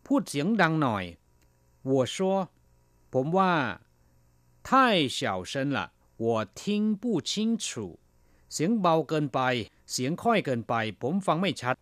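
A man's voice: fairly high pitch, no echo, studio quality. A man hosting a radio language lesson, patiently explaining each word and repeating it. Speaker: radio host and Chinese language teacher.

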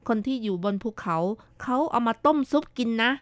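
Chatty woman radio co-host, smooth dry sound. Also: a little high, expressive, a little fast, dry recording. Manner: chatty, playful, ends phrases with polite particles. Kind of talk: radio chat show, reading listener comments.

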